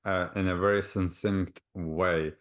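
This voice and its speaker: On a video call, a guest healer from Argentina speaks slowly and gently with an Argentine Spanish accent, his deep voice holding a steady tone. His calm, reflective interview answers often repeat words while he searches for the next one.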